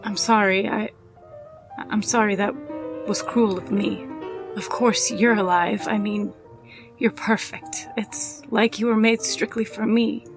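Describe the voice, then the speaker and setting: A frail dying woman, tender and wistful, as an actress plays her in a radio play. Her soft voice carries a gravelly fry at medium pitch, with music playing behind. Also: fairly even intonation, unhurried, close to an everyday voice. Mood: remorseful. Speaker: lead in a radio drama. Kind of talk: golden-age style radio play acting. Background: music score.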